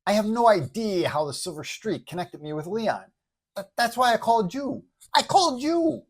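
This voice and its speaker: A man's voice: sits high, expressive, normal speed, voice pushed up. A man voicing a nervous, evasive city alderman with a flustered stammer, in a superhero story. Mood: panicked.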